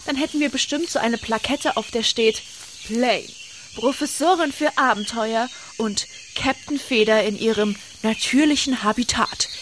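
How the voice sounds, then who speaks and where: A woman's voice: fairly high pitch, normal speed, slight background noise, natural voice. A woman playing an eager adventure professor. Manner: bright, enthusiastic. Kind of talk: children's audio drama.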